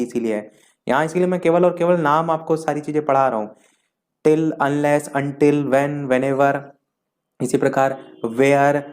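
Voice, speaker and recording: A man's voice: on the high side, darkish tone. Man teaching English grammar in Hindi. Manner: explains in Hindi, reads English definitions slowly. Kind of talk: exam-prep lecture.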